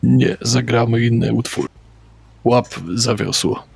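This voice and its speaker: Sex: male. Role: game master. Style: tabletop narration. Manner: brisk, directing. Pitch: mid. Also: little pitch movement, vocal fry, a little mellow, husky, no room sound.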